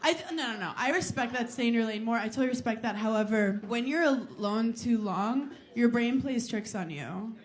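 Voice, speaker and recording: A woman from New York doing stand-up crowd work, teasing audience members in brash, rapid banter on a club stage. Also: fairly high pitch. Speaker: stand-up comedian. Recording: live club with crowd laughter.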